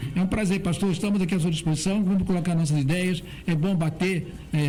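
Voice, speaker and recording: Amid noticeable background noise and audible room echo, a man with a high pitch speaks with fairly even intonation. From Duque de Caxias, Rio de Janeiro, Brazil. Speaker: dentist. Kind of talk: radio talk show conversation.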